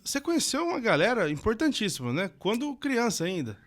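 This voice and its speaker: A male podcast host asking curious, relaxed questions and laughing along with his guest. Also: high voice, a little fast. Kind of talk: casual interview questions.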